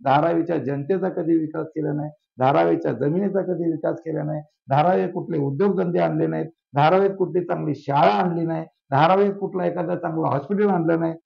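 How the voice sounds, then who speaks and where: A man's voice: fairly high pitch, brisk, vocal fry, few pauses. A man, a social worker, speaking in an impassioned interview, asking rhetorical questions and piling up long lists. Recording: dull lo-fi sound.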